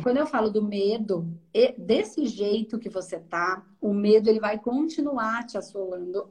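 A woman with a Brazilian accent, an energy therapist mentoring a student in casual conversation, explaining in an animated way and often checking that she is understood. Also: mid-range voice.

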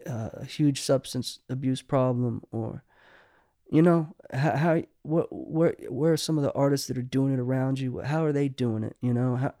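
At normal speed and medium pitch, this middle-aged songwriter guest speaks with a dark tone in a casual podcast conversation, rambling, frequently restarting and peppering his talk with "you know." The recording is dry and studio quality.

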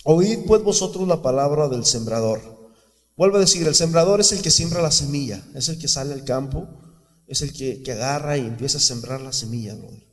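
A man's voice: mid-range voice, fairly quick. Man, pastor, fervent chatty sermon, long church reverb. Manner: fervent, conversational, says "brother" often.

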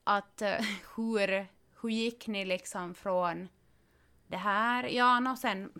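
A woman, a parent expecting her fourth child, chatting casually and telling stories with quick, animated asides. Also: mid-range voice, smooth. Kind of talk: casual podcast conversation.

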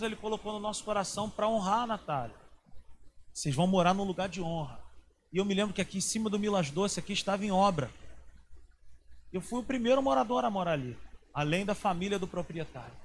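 A man, preaching a sermon as a pastor, telling a personal story that swings between hushed and loud passages. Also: high voice, a little hiss or hum.

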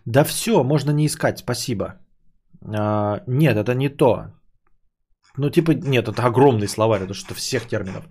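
A man's voice: medium pitch, moderate pace, a little mellow, breathy edge. A man hosting a casual solo podcast, rambling and joking, who mangles words on purpose for fun. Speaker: podcast host.

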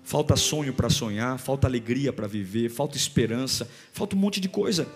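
A man preaching a sermon, swinging between loud bursts and hushed, repeated phrases. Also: mid-range voice, expressive, normal speed, long reverb tail, soft background music. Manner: rhythmic repetition, calls for congregation to repeat. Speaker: pastor.

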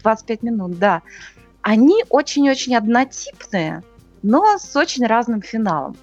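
A woman on a podcast recaps TV episodes in a loose, conversational way. Her pitch rises and falls a lot as she explains each plot point. The sound is a little dull, with faint music underneath. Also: normal speed. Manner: lively, explains plots step by step. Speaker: podcast co-host. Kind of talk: casual TV review chat.

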